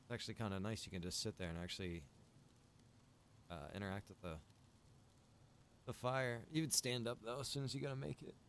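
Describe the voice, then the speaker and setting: A man chatting casually on a game livestream, rambling and thinking out loud. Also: fairly low pitch, fairly even intonation, a little fast, long pauses, a little hiss or hum. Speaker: game streamer. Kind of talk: casual livestream chat while gaming.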